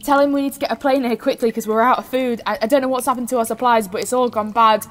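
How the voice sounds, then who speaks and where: A woman's voice: fairly high pitch, steady tone, fast talker, natural voice. A woman playing an urgent, foul-mouthed Arctic research scientist in an audio drama. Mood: irritated, urgent. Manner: urgent, sweary, breaking into cries. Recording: very noisy radio-drama sound, clicks.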